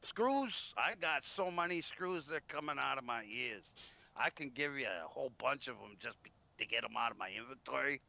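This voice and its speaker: A man's voice: medium pitch, expressive, moderate pace, vocal fry, sharp tone. A man in casual roleplay chat as a trader, talking in a folksy, chatty, friendly way. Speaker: roleplay gamer playing a trader.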